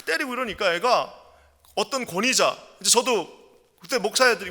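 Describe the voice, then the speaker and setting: A passionate male pastor with a high, very bright voice preaches in a church. His sermon moves from quiet storytelling to loud, ringing proclamation. A long hall reverb trails each phrase. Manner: impassioned, swings from hushed storytelling to loud proclamation. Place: church sanctuary.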